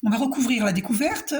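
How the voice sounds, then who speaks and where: A woman doing a calm, reassuring spiritual card reading. She talks to the viewer, repeats herself and uses many fillers. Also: mid-range voice, slight background noise. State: coughing a little. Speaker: card reader.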